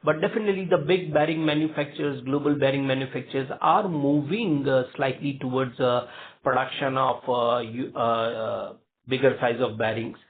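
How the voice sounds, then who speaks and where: A man with an Indian accent speaks over a narrow, tinny conference phone line. He answers as a company executive, feeling his way through phrases in a halting manner. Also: medium pitch. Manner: halting, hedged phrasing with repeated filler phrases. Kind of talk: earnings call question and answer.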